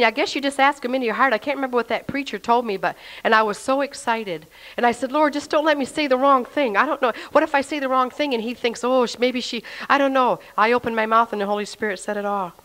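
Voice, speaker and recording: A woman's voice: mid-range voice, a bit bright, low-quality recording. A middle-aged woman telling her own faith story with fervor and feeling, acting out her prayers and the things people said to her. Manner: fervent, emotional, quotes her own prayers aloud. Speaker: testimony speaker. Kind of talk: spoken personal testimony.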